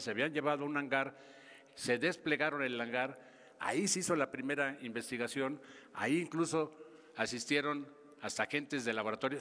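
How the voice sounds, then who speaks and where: A Mexican man in his seventies answering press questions in a halting, emphatic way, often repeating himself. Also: mid-range voice, pushed and bright. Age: 70s. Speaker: government official at press conference. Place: large indoor press conference hall. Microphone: podium microphones. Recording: reverberant hall, podium microphone.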